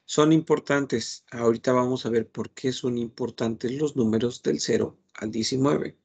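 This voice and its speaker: A man's voice: medium pitch, fairly even intonation, moderate pace, gravelly, darkish tone, husky. A man teaching a French class online, patient and repeating words as he explains.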